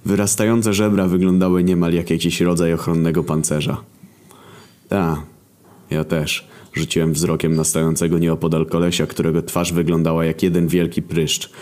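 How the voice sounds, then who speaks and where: A man narrating a crude comic story in a deadpan, sardonic way. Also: low voice, fairly quick, few pauses.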